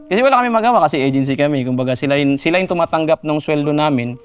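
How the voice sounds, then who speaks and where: A man from Mindanao in his thirties, a guest in a studio interview, telling his life story in a soft voice that trails off quietly. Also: fairly high pitch, lively intonation, very fast, smooth. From Mindanao, Philippines.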